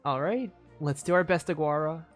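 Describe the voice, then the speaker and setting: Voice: mid-range voice, moderate pace. A game streamer giving casual, reactive playthrough commentary, thinking aloud and reading game text. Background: game music.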